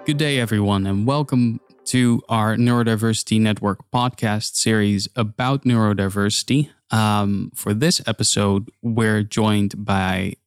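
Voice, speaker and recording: A man hosting a workplace podcast who introduces guests politely, with a slightly hesitant delivery. His voice is low and smooth. The recording is close and dry. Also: steady tone, a little slow, few pauses, no room sound, soft background music. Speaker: podcast host. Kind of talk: hosting interview.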